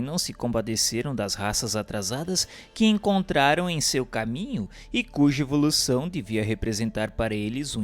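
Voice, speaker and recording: Solemn Brazilian male narrator over music. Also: medium pitch. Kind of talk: solemn scripted narration of a religious text. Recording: music bed under the voice.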